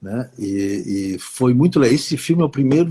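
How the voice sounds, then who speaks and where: Dark and mellow in tone, a man's somewhat breathy voice moves with ordinary pitch variation. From southern Brazil (Rio Grande do Sul). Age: 60s. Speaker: actor and filmmaker. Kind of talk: interview. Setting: live stream.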